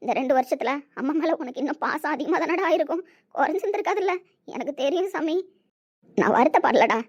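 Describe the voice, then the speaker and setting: A woman playing a tender, tearful mother in a scripted family drama, speaking softly and affectionately. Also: high-pitched, expressive, quick pace. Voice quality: soft, pleading, affectionate. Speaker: mother character.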